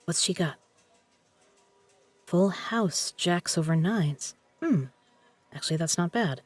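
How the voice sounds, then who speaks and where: A woman's voice: lowish voice, animated, slow, darkish tone, no echo, faint music behind. A woman playing a tough, guarded poker legend in an audio drama, with a blunt, sardonic way of talking. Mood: hushed commentary.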